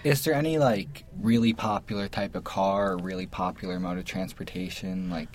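Casting: male interviewer, low register, informal questioning, slight noise behind the voice. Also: steady tone, normal speed. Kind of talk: casual questioning.

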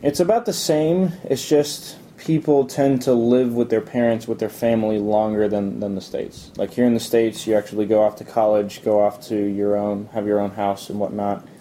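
Dark-voiced hesitant young man. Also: fairly low pitch, fairly even intonation, normal speed, few pauses, slight background noise. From Italy. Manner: hesitant, many ums and restarts. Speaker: interviewee. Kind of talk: casual interview answers.

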